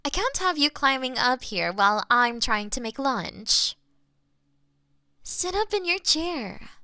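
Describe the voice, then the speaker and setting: A woman's voice: high voice, sharp tone, no room sound, studio quality, full character voice. A woman playing a doting, playful cat owner in an intimate roleplay, cooing affectionately at her pet. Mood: fond, coaxing. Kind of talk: roleplay audio, intimate one-sided scene. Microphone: close binaural microphone.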